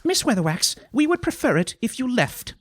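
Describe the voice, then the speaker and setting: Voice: mid-range voice, huge pitch swings, a little fast, dry recording, clean studio sound, pitched above the performer's own voice. A narrator voicing a haughty, officious woman witch with a prim, bossy, formal manner in a story. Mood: stern.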